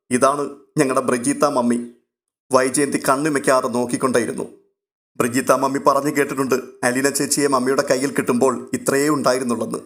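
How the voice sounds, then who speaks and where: A man giving steady, measured scripted narration of a serial story. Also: mid-range voice.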